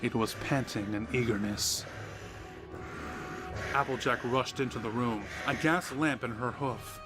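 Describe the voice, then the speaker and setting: A man's voice: medium pitch, a little slow. Man narrating horror fiction over music. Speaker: story narrator. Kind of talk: dramatic horror story narration. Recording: music behind the voice.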